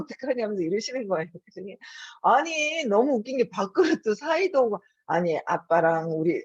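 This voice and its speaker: A woman's voice: medium pitch, breathy edge, no room sound. A woman in her fifties hosting her own channel, telling a home story in a chatty, casual way and laughing often between her words. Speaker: host. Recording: dull lo-fi recording.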